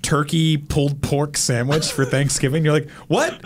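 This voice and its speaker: A man's voice: fairly high pitch, steady tone, moderate pace. An American man hosting a casual chat, talking in a jokey, exaggerated way. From United States. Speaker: podcast host reading listener questions.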